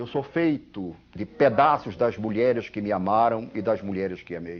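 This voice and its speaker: The voice is a plain, everyday voice. It moves at a moderate pace with ordinary pitch variation. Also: man, fairly low pitch for a man. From Brazil, Recife (Northeast). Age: 60s. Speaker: TV actor and lawyer. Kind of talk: interview testimony.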